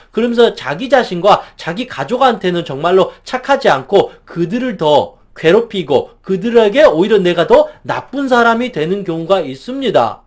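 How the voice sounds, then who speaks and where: A man with a high voice delivers a motivational psychology lecture as a counselor. He speaks emphatically and keeps putting rhetorical questions to his listeners.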